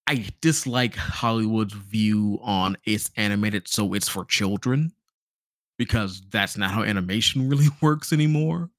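A man's voice: on the low side, a little slow, no room sound, studio quality. A man hosting a podcast in casual chat, talking like an enthusiastic fan with joking asides. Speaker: podcast host. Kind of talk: casual podcast chat about games and films.

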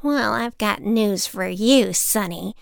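A woman's voice: medium pitch, slow, gravelly, clean tone, dry recording, studio quality. A woman voicing a harsh, scolding old woman who lectures a boy with scorn. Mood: scornful.

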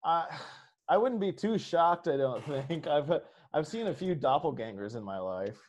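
A man's voice: fairly high pitch, lively intonation, unhurried. A man chatting casually and comically as a podcast guest, rambling loosely and swearing now and then. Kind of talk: casual comedic chat.

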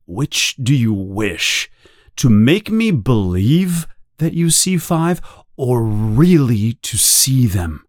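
A man voicing a calm, patient male interrogator who speaks softly and slowly, with quiet menace. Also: medium pitch, dry recording, studio quality. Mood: cold, probing. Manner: soft, slow and controlled. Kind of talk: audiobook character voice.

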